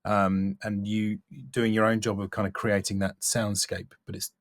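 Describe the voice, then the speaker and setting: A man's voice: on the low side, flat delivery, moderate pace, dry recording, clean studio sound. A man working as a voice-over coach, giving a casual, thoughtful spoken critique and stressing key words. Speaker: voice-over coach reviewing demo reels.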